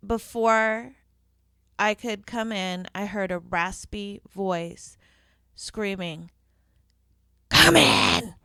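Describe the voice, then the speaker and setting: A woman, a professional organizer, hosting her own podcast and telling stories in a conversational, deliberate way with occasional fillers. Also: medium pitch, fairly bright tone, smooth, no echo. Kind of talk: solo podcast storytelling.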